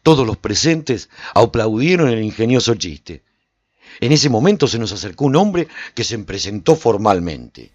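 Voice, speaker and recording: Man narrating dramatically with lively pitch. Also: a little slow, no room sound, dull audio. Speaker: narrator and protagonist of a radio serial. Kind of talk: dramatic first-person scripted narration.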